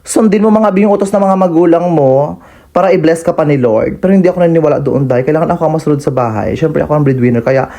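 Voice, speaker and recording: A young man from the Philippines narrates his family food vlog in a teasing, campy comedic voice-over. He talks very fast, in a slightly high voice, tossing in playful asides. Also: gravelly, warm tone. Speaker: vlogger.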